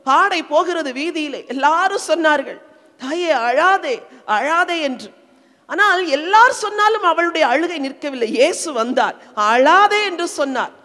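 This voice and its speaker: A woman's voice: high voice, animated, moderate pace, pushed and bright. A middle-aged woman from India with a Tamil accent, preaching a sermon with strong emotional swells. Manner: emotional, rising and falling in intensity. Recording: long reverberant hall.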